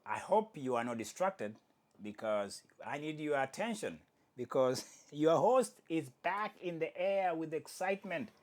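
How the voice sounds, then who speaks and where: A man's voice: fairly high pitch, unhurried. A man hosting a casual sports commentary show, with Swahili as his first language, joking and correcting himself as he talks. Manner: animated, jokey, self-correcting. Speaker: host.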